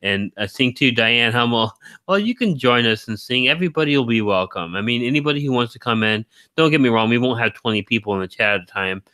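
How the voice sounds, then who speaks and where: A man hosting a live stream, talking in a rambling, teasing way with a deep baritone voice, very tired. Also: lively intonation, fast, bright, forceful tone, smooth, no echo. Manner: rambling, teasing, laughs often. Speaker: stream host. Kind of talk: casual chat.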